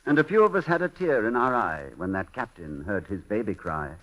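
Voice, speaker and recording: Lively, bright-voiced 1940s radio announcer man. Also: fairly low pitch, rough recording. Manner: brisk, jokey announcer's delivery. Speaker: radio show host.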